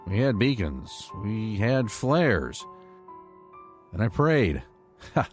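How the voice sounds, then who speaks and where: A man's voice: fairly low pitch, sing-song, very slow, faint music behind, heavily acted. An actor playing a lonely, protective man long stranded as a castaway in an audio drama. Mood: stunned, haunted.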